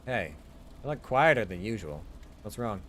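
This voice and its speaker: A man voicing a reserved, gruffly kind male detective in a visual novel, speaking in a terse, matter-of-fact way. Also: on the low side, very animated, moderate pace, fairly bright tone, a little hiss or hum. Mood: curious, brusque.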